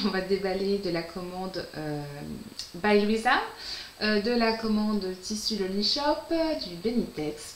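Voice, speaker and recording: A woman's voice: medium pitch, a little hiss or hum. Bubbly woman in an echoey room. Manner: bubbly and enthusiastic, often says she is delighted. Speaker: sewing vlogger and host. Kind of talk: casual fabric unboxing vlog. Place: at home, filming at night.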